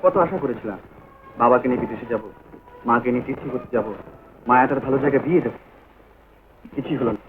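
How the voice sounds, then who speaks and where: An actor playing a bitter young husband who speaks in terse, reproachful lines in a vintage film drama. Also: male voice, medium pitch, fast, long pauses, faint music behind, lightly acted. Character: bitter regretful young husband, short-tempered. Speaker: grown son in a family film drama. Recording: tinny lo-fi old film sound.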